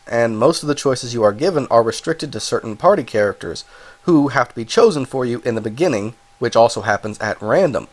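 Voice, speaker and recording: A man with a cold and a stuffed-up voice, casually reviewing a video game, rambling and correcting himself as he goes. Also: medium pitch. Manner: rambling, self-correcting, apologetic asides. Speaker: game reviewer, channel host.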